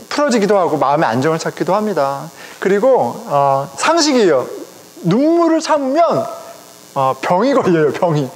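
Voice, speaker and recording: A middle-aged man, a pastor, preaching a sermon in a conversational, animated way, speaking directly to his congregation. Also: sits high. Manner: conversational, animated, chuckles often, addresses congregation. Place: church sanctuary. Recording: long reverb of a church hall.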